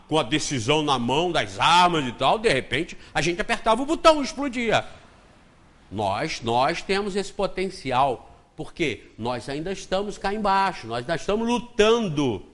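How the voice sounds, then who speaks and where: Animated Brazilian man giving a spiritist lecture. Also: a little high, moderate pace. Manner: conversational and joking, acts out dialogue. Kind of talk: spiritist lecture with homely anecdotes.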